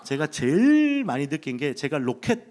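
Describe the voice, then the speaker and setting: A male pastor from Busan preaches into a handheld mic in a church, with a lively voice that rises and falls a lot. He spins a funny story and acts out his own past thoughts, keeping the room engaged. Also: fairly high pitch, normal speed. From Busan, South Korea. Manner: humorous storytelling with acted inner thoughts. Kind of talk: sermon. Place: church sanctuary.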